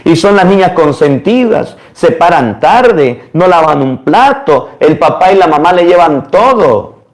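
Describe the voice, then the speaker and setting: A man, a priest giving a sermon, telling a story in lively detail and acting out the people in it. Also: on the high side, unhurried. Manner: animated storytelling, quoting people in changed voices.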